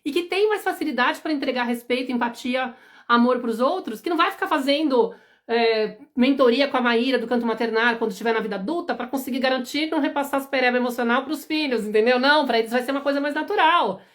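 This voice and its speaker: A woman, a parenting educator giving an animated, emphatic live-stream talk and often checking in with her listeners. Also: high-pitched, fast.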